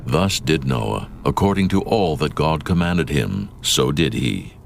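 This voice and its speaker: A man narrating scripture from a script in a solemn, measured storytelling manner. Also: extremely low pitch, expressive, gravelly. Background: music.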